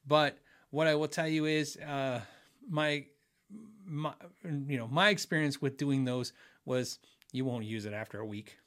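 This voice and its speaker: Speaking a little slowly, this middle-aged man has a fairly high, steady, fairly bright voice. He chats casually on a livestream from his home office, rambling through viewer messages with frequent restarts and plenty of fillers.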